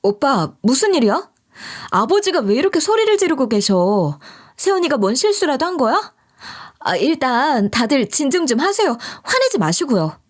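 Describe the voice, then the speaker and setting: A woman voicing a brash young sister-in-law who argues in a raised, rapid-fire voice in a storybook reading. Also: high voice, very animated, voice pushed up. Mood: alarmed.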